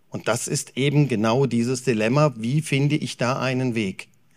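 Ordinary pitch variation in a man's speech, set against a quiet background. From Rhineland, Germany (Bonn); Rhineland, Germany. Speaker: industry association representative; conference speaker. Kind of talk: conference talk. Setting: stage with audience. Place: hall. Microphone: handheld.

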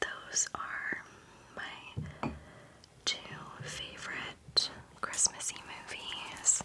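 A woman whispers her words very slowly. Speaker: candle seller. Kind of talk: soft-spoken product showcase. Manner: soft close-mic ASMR voice. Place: home room. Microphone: studio mic.

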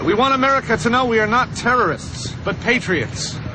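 Over noticeable background noise, a man speaks at a moderate pace in a raised, projected voice, the sound dry with no echo. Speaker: hostage reading captors' statement. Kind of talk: read statement, drama dialogue. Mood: nervous, pleading. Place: street.

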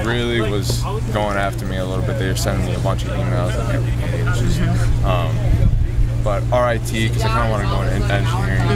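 A man at a very fast pace, crowd noise in the background. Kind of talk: interview answer. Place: stadium.

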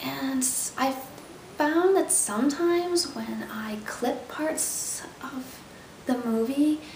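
A woman speaks very slowly at a high pitch with ordinary pitch variation, with audible room echo and light background noise. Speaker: beauty and tech vlogger. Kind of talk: casual product review to camera. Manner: whispered. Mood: cheerful, playful. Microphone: phone near.

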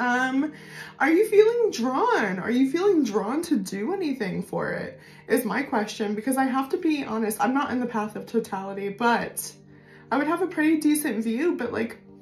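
With faint music in the background, a woman speaks at a moderate pace and a high pitch. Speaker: tarot reader. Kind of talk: casual vlog chat. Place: home room.

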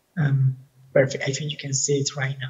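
A man's voice sits at a fairly high pitch and sounds somewhat breathy. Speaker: carbon market association representative. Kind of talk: conference presentation.

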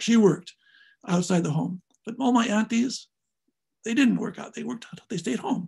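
A man with an American accent talks at a very fast pace and a high pitch. His pitch variation is ordinary, and the background is quiet. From US Pacific Northwest, Seattle. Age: 70s. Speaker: rabbi. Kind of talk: lecture. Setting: video call. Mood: warm reminiscing. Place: home room. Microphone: video call.

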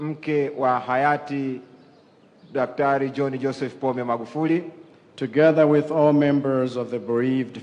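This man talks at a very slow pace. His intonation stays fairly even. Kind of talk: formal funeral address. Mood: solemn, measured. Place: stadium. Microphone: podium.

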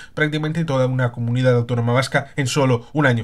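A man speaks at a fairly quick pace. His voice is somewhat breathy, with ordinary pitch variation. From Spain. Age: 40s. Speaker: commentator on politics. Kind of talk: commentary monologue. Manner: halting. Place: home room. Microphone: webcam.

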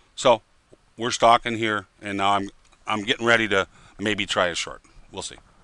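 In a dry, close sound with no echo, a man with a fairly low pitch and a bright, sharp tone speaks at a moderate pace in a flat monotone, leaving long, frequent pauses. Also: big swings in loudness. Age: 50s. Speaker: trading educator. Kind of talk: live trading webinar. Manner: conversational, with fillers.

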